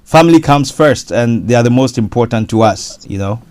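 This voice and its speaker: Male radio host, mid pitch, halting speech, repeats words, interview. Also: animated, darkish tone. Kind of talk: casual interview.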